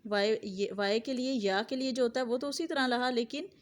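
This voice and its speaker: A woman with a fairly high voice explains English sound assimilation in an easygoing classroom way. She keeps saying example phrases again and again, slowly, so learners can copy them. She checks in with her students as she goes. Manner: conversational, checks in with "theek hai". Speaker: English phonology teacher. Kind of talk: explanatory video lesson.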